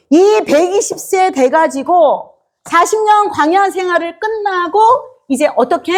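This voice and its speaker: Lively high-voiced woman preaching a sermon. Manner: lively, quizzes the congregation, acts out the people she describes. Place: church sanctuary.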